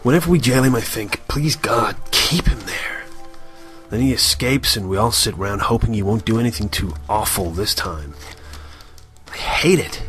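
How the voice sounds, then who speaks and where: A man's voice: lowish voice, moderate pace, fairly bright tone, soft background music, close to an everyday voice. An actor playing a weary, earnest older father and lawman in a radio drama. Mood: weary, troubled.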